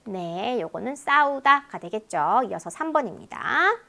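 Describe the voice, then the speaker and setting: A woman English teacher talks through a lecture, explaining word after word in a chatty way. Her voice sits fairly high and swings widely in pitch. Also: measured pace, vocal fry. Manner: explains word pairs in a lively, talkative way.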